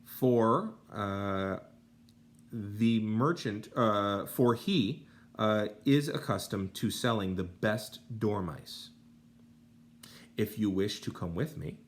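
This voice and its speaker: An American man with a fairly low voice teaches in a highly animated, swooping delivery. He reads and explains deliberately, sometimes halting, and drops in informal asides as an instructor would. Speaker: Latin teacher. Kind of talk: instructional lesson, reading aloud and translating.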